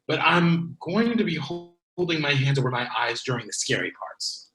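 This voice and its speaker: A man playing an excitable, easily spooked, theatrical repair shop worker in a comedy table read. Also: medium pitch, normal speed. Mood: nervous, reluctant. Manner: theatrical, exclamatory. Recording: roomy, echoing pickup.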